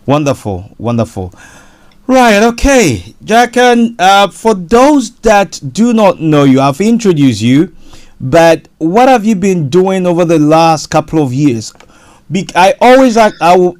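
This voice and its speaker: A man hosting a radio property show, interviewing a guest in a halting way, often repeating words. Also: on the high side, darkish tone. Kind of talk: casual interview.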